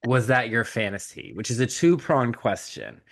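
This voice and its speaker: A man's voice: mid-range voice, wildly swooping pitch, moderate pace, gravelly, a little hiss or hum. Man, mid-range voice, podcast host, casual film chat.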